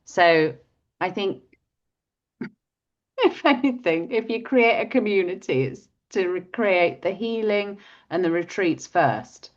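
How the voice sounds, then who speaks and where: A woman's voice: lowish voice, lively intonation, slow. A woman whose first language is not English, chatting casually as co-host, with a frog in her throat and many restarts. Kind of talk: casual chat. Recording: dull lo-fi sound.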